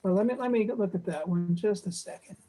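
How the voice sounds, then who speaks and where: A woman casually presenting a software demo on a video call at a club meetup, talking in a relaxed way with lots of fillers. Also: mid-range voice, fairly quick.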